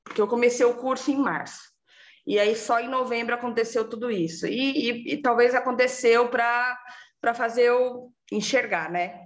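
A woman, giving a lively casual testimonial and acting out her own past words. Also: a little high, moderate pace, dull audio.

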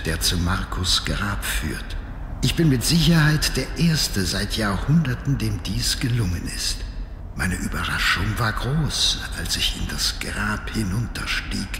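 An actor playing a troubled, scholarly diarist in a horror adventure game, speaking in a solemn, formal, dramatic manner. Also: male voice, lowish voice, fairly bright tone, full character voice. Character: troubled scholarly male diarist, obsessed and fearful. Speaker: game character reading a diary. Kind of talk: dramatic scripted narration. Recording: echoey hall reverb, background noise.

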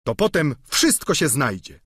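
A man reading as an eager, plain-spoken peasant squire from an old storybook, his husky voice rising and falling in lively swings. The sound is close and dry, with no room around it. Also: fairly high pitch, unhurried, no room sound, pitched above the performer's own voice, full character voice. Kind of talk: audiobook character reading.

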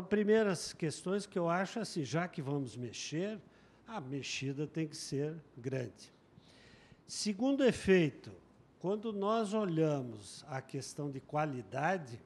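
An older man on a handheld microphone in a large auditorium, making measured points as a consumer council representative at a public meeting. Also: a little high, a little mellow, husky. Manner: deliberate, measured questioning. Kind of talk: formal public meeting remarks.

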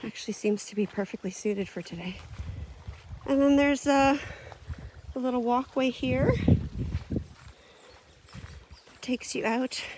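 A woman's voice: fairly high pitch, slow pace, pauses often, noisy background. Chatty woman vlogging outdoors. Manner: chatty, laughs easily, many fillers. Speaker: camping vlogger. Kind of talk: casual outdoor vlog narration. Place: outdoors at a lakeside forest campsite.

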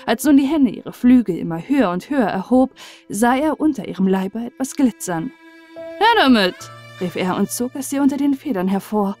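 A woman narrating a fairy tale as a bedtime audiobook, with measured, expressive storyteller delivery. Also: a little high, soft background music.

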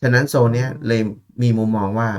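A man's voice: mid-range voice, flat delivery, fairly quick, darkish tone, clear, resonant tone. A man giving a casual, chatty analysis of gold price charts, thinking aloud and addressing listeners familiarly.

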